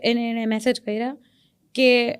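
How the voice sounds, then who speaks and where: A young Gujarati woman speaks as a podcast guest, her voice sitting a little high. She tells a hard personal story earnestly and gets animated when she recalls the anger. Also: a little slow, smooth.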